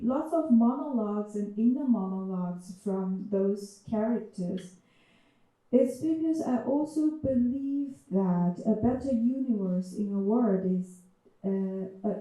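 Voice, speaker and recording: A woman's voice: a little high, dark tone. A woman from China with a Chinese accent giving a reflective talk, hesitant with many fillers and restarts. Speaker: writer and panel speaker. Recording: echoey hall, speaker far from mic.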